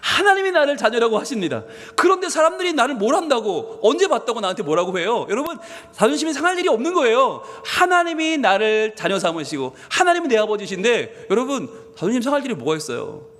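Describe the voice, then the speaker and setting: A male pastor preaching a sermon, emphatic and lively, leading the congregation to read scripture aloud. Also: extremely high pitch, fast talker, few pauses. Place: church sanctuary. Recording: long hall reverb.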